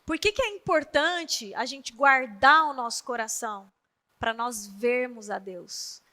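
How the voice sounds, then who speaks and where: A woman's voice: on the high side, unhurried, bright, forceful tone, long reverb tail. A woman preaching a sermon at a women's meeting in a church. She tells the story animatedly and acts out the quoted voices. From Brazil. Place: church hall.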